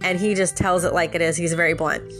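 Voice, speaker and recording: A woman's voice: lowish voice, steady tone, a little fast, a bit bright, soft background music. A woman hosting a podcast with a nasal, stuffed-up voice from a sinus infection, telling a casual story and chatting straight to listeners with frequent little laughs. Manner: chatty, laughs often, addresses listeners directly. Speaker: podcast host.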